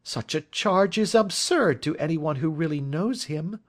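A man's voice: a little high, lively intonation, moderate pace, pitched above the performer's own voice, close to an everyday voice. A man voicing an earnest pleading young woman. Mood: imploring. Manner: urgent, imploring.

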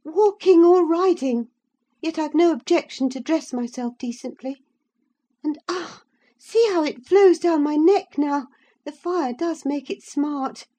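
A woman's voice: high voice, dark tone, pitched above the performer's own voice. A woman voicing a distraught, fiery young lady. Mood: agitated. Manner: breathless, agitated, rapid outbursts.

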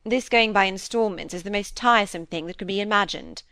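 A woman's voice: medium pitch, brisk, bright, forceful tone, no echo. A woman reading an audiobook, voicing a bored, impatient noblewoman who complains languidly. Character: bored, impatient aristocratic lady.

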